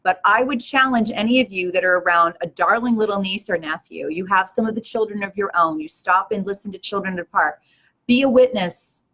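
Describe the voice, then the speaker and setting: Speaking briskly in a sharp-toned, mid-range voice, an older woman hosts her own show on a live stream. She lectures her viewers with earnest passion, preachy and stirring.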